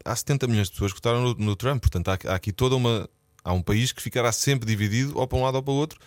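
Fast-talking Portuguese man, dry studio. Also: mid-range voice, dry recording. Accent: European Portuguese. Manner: hesitant, restarts often, thinking aloud. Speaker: musician guest. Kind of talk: radio interview chat. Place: radio studio.

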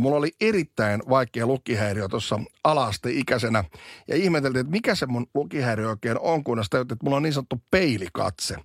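A man's voice: mid-range voice, dry recording, studio quality. A man co-hosting a casual morning radio chat, telling stories in a chatty way. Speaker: radio co-host.

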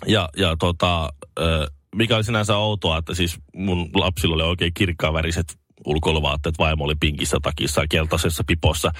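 A man, a radio co-host, telling a story in casual chat, animated and restarting sentences often. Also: low voice, no room sound, studio quality.

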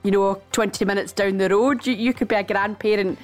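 A woman's voice: mid-range voice, steady tone, brisk, faint music behind. A Scottish woman hosting a radio interview, chatty and encouraging with her guest. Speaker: radio host.

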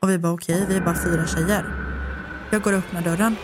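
A woman's voice: lowish voice, heavy background noise. A young woman hosting a podcast, telling a long story in casual chat, swearing often and acting out what people said. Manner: animated, swearing, acts out dialogue. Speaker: podcast host.

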